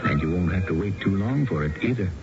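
Wry, genteel mystery host, low-pitched, savouring phrases, dull vintage broadcast. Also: male voice, expressive, fast. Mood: wry relish. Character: sardonic, genteel macabre storyteller host. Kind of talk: radio mystery host narration. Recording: muffled old radio broadcast with music.

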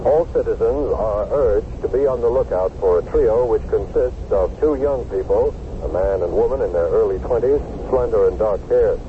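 An actor playing a formal radio news announcer reading a bulletin in a drama. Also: male voice, on the low side, moderate pace, natural voice. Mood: urgent, formal. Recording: noisy, tinny old radio broadcast.

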